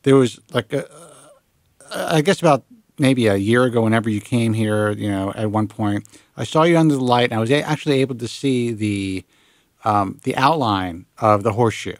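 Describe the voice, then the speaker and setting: A man in his late forties hosting a talk show, chatting casually with lively restarts and the odd swear word. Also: medium pitch, normal speed, no echo, studio quality. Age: 40s. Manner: animated, swearing, lots of restarts. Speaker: show host. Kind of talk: casual radio show chat.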